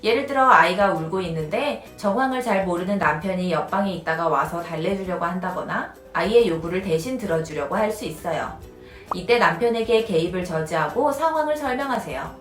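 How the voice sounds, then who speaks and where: Woman, thirties, parenting host, calm explanatory narration, echoey room. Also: fairly low pitch, a little fast, faint music behind. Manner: calm, even, instructive. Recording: roomy echoey recording.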